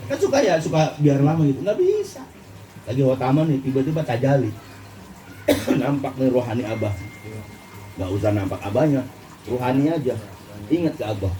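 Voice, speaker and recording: Man preaching a lively sermon with a lilt. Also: fairly quick, long pauses, a little hiss or hum. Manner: lively, asks the audience questions, swings between low and high pitch. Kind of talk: Sufi religious sermon. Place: gathering in a hall. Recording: echoey room, voice from far off.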